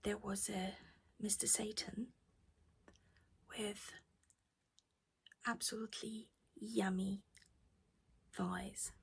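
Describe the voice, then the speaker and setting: A woman's voice: mid-range voice, level tone, drawn-out words, gravelly, pauses often, husky. A woman whispering her way through a casual cross-stitch project chat at home while losing her voice.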